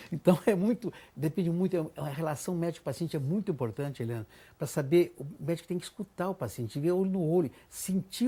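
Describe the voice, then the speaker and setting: The man's voice is high-pitched, with a dark, mellow tone. He speaks at a fairly quick pace with lively intonation. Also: very clean recording, silent background. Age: 70s. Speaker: doctor. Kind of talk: TV interview.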